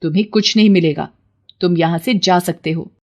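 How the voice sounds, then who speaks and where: A woman's voice: mid-range voice, big pitch swings, a little slow, dark tone. A woman voicing a stern pond goddess. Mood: scolding. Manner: commanding, scolding.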